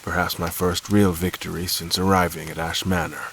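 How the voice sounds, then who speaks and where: A man playing a brooding, calculating prisoner who narrates his captivity in a measured, formal, deliberate way for a scripted audio drama. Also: low voice, little pitch movement, fairly bright tone, slight background noise. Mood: brooding, resolute.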